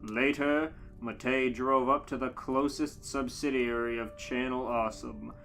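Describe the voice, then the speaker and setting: Slow, forceful comic story narrator. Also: medium pitch, steady tone, faint music behind. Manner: deliberate, breaks into amused asides. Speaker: podcast host reading fan fiction.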